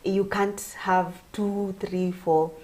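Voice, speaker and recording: A woman's voice: mid-range voice, level tone, slow, darkish tone. A woman from Kenya, a gospel singer and vocal coach, giving earnest, explanatory interview answers and repeating phrases for emphasis.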